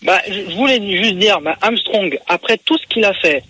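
A man's voice: high voice, expressive, moderate pace, pushed and bright, husky. A man calling in to a sports radio show, with a Saint-Étienne accent, hesitant and repeating himself. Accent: Saint-Étienne area, France. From France. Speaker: radio caller.

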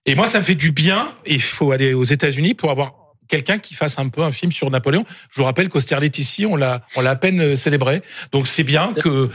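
A male panelist talks fast and fervently in a televised debate, his voice slightly high. He speaks with conviction. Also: fairly bright tone. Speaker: pundit.

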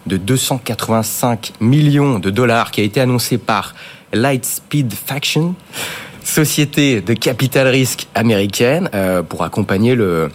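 A man's voice: mid-range voice, lively intonation, normal speed, few pauses. A man hosting a business talk show, introducing guests and topics and asking follow-up questions in a broadcast studio. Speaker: radio and TV show host.

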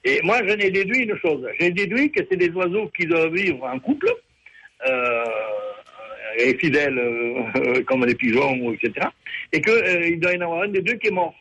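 A man's voice: fairly high pitch, expressive, moderate pace, pushed and bright, highs cut off, slight background noise. A man from the Ardèche with a southern French accent, an older caller telling a rambling, hesitant story on a radio phone-in. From Ardèche, southern France. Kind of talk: phone-in chat.

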